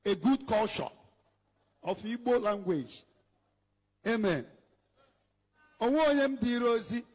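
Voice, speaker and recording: Nigerian evangelist, very high-pitched man, emphatic scolding delivery, hall reverb. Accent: Nigerian English. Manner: scolding, emphatic, repeats phrases. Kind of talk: preaching to a congregation, switching between English and Igbo. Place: church hall with an altar.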